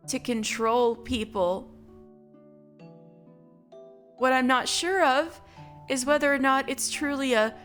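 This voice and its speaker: A woman's voice: fairly high pitch, fairly bright tone. A woman voicing a mother who fears her own young daughter, brooding anxiously and speaking carefully. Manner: anxious, brooding inner monologue. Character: frightened, guilt-ridden mother of a strange child.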